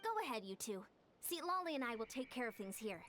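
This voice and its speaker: A woman voicing a watchful, serious young female fighter in a video game, measured and thoughtful. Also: on the high side, animated, a bit bright, a little hiss or hum. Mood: firm, serious.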